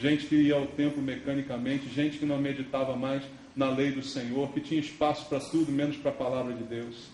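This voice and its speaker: A man's fairly high voice at a fairly quick pace in a flat monotone, with audible room echo and noticeable background noise. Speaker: pastor. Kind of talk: sermon. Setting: church.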